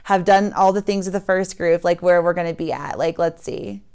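A woman with a slightly hoarse voice, hosting a casual, informal podcast chat. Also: lowish voice, fairly even intonation, moderate pace, a little mellow. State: slightly hoarse from screaming and talking. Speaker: podcast host.

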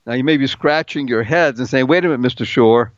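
A man's voice: medium pitch, quick pace, dry recording. Man, middle-aged, radio host, upbeat, playful, spells words out, muffled dry broadcast. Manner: playful, spells out words, sings short bits. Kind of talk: upbeat solo radio talk.

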